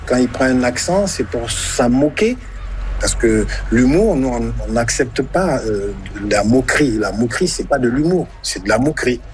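A man's voice: mid-range voice, expressive, normal speed, a little mellow, slight background noise. A comedian being interviewed, explaining his view and listing examples. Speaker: comedian guest. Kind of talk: interview talk.

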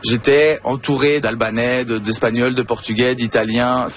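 A comedian from Switzerland speaking in an interview, earnestly thinking aloud with some hesitations. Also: male voice, mid-range voice, flat delivery, moderate pace, slight background noise. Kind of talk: reflective interview talk.

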